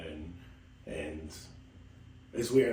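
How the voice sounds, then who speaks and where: Noticeable background noise and audible room echo fill this recording. A man speaks at a fairly quick pace. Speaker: DJ. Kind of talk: casual chat.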